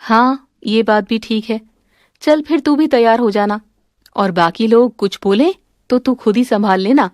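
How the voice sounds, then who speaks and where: A woman's voice: fairly high pitch, measured pace, darkish tone, dry recording, studio quality, natural voice. A woman voicing a strict, commanding mother-in-law who scolds her daughter-in-law. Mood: stern.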